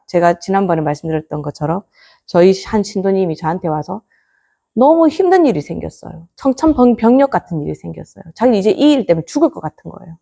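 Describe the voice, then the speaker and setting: A Buddhist nun giving a lecture to lay students, telling stories with rhetorical questions and dropping to soft near-whispers at the ends of phrases. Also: female voice, medium pitch, gravelly. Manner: storytelling with acted quotes and rhetorical questions.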